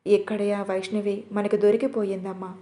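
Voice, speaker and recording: A woman's voice: medium pitch, level tone, a little fast, dark tone, close to an everyday voice. A woman voicing a scheming female accomplice who plots against the heroine. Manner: conspiring.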